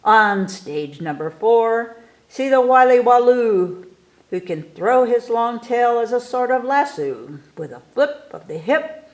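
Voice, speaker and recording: A woman plays a boastful young boy dreaming up a show in a storybook. The delivery is grandiose and unhurried, swinging widely in pitch like a carnival barker, in an echoey room. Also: animated. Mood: grand, excited. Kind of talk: storybook read-aloud.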